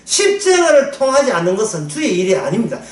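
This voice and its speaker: Male preacher, lively swooping high voice, echoey room, mic far off. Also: quick pace. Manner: animated, acts out quotes, laughs often. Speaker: Bible lecturer. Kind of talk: sermon-style Bible lecture.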